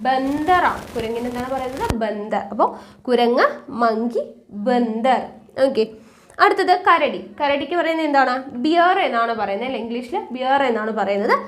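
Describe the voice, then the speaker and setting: Woman from kerala teaching words online, high voice, asks a question then answers it, slow repetition drill. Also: animated. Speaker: language teacher. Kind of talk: online vocabulary lesson.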